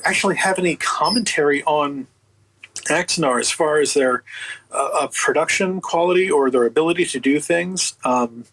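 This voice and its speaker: A man with a slightly high, husky voice is a guest in an interview. He tells his story in a casual, conversational way, acting out both sides of remembered exchanges with an incredulous, sardonic edge. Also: rough recording. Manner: animated retelling with acted-out quotes, incredulous and sardonic. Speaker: interview guest, audio book producer.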